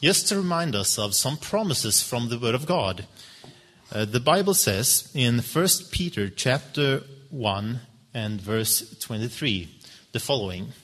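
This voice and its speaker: A man whose first language is Swedish preaches a sermon in English, earnest and halting, with fillers and restarts. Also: medium pitch, animated, a bit bright. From Sweden. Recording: long reverb of a hall.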